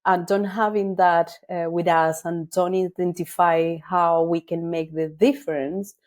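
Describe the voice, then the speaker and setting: A woman's voice: on the low side, fairly even intonation, measured pace, a little mellow. A woman hosting a podcast, asking earnest, reflective questions in long winding sentences. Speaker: podcast host. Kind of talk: conversational interview.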